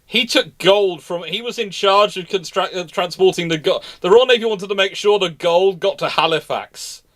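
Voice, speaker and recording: A man's voice: sits high, normal speed, a bit bright. A man hosting a casual live history discussion, telling stories emphatically in a rambling, self-correcting way. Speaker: livestream host and naval historian.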